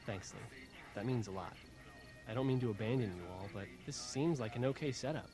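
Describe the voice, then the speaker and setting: A man's voice: medium pitch, fairly quick, natural voice. An actor playing a friendly, apologetic young man surviving a zombie outbreak in a video game. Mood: earnest. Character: friendly young male survivor, eager to leave. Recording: game audio played under commentary, music.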